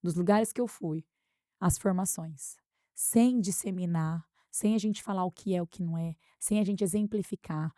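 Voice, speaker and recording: A woman with a Brazilian accent, speaking as a guest expert in an interview and telling anecdotes in a lively way. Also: fairly low pitch, normal speed, no echo, studio quality. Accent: Brazilian Portuguese. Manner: animated anecdote-telling, acts out quotes. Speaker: guest expert on workplace harassment. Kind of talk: conversational interview storytelling.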